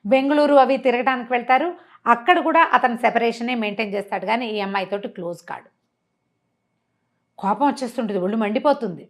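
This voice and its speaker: A woman storyteller retelling a story in a conversational, expressive way, mixing in some English words. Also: a little high, a little fast. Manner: expressive, acts out characters' dialogue.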